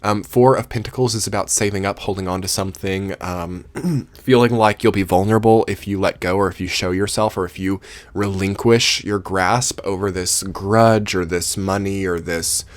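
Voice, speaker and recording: A man's voice: low voice, fairly even intonation, moderate pace, no echo. A man giving a rambling, earnest tarot reading to his viewers and noting that he is losing his voice. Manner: rambling, earnest, with many fillers. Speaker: tarot reader. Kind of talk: casual tarot reading to camera.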